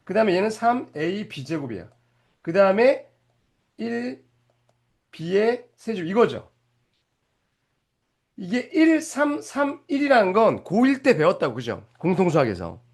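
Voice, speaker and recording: A male math teacher giving a lively lecture, explaining step by step and often stopping to ask whether the students are following. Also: high-pitched, measured pace, pauses often. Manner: animated, keeps checking if students follow; explains step by step with rhetorical questions.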